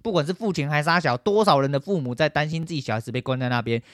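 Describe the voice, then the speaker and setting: A man's voice: a little high, rapid-fire, dry recording, clean studio sound. A man with a Taiwanese Mandarin accent hosting a solo podcast, ranting angrily and swearing constantly. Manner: angry, profane ranting. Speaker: podcast host.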